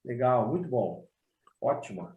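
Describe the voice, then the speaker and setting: A man's voice: medium pitch, expressive, unhurried, echoey room, phone-quality sound. A man hosting a live Q&A, reading viewer questions aloud to his guests. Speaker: host. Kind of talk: live Q&A moderation.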